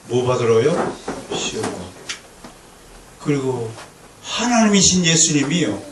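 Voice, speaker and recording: Man, pastor, lively sermon, higher voice, roomy hall, faint background noise. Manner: lively preaching with humor and call-and-response. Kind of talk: sermon lecture to a congregation. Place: church sanctuary. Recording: echoey hall, distant mic, faint noise.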